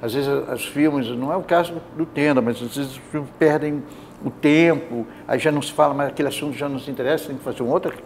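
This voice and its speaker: A man's voice: mid-range voice, fast, darkish tone, slight background noise. An older man, an actor, talking as a guest in a TV studio interview, rambling and restarting his sentences as he thinks, on a lapel mic. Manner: rambling, restarts mid-thought. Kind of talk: casual studio interview chat. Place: bright indoor TV studio, seated.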